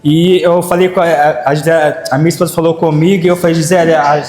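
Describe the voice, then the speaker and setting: A man with a high voice tells his story to a congregation in plain conversational speech, stumbling and restarting as he goes. His voice echoes through a church hall with a long tail of reverb. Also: steady tone, fairly quick, darkish tone, faint music behind. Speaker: preacher. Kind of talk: sermon testimony.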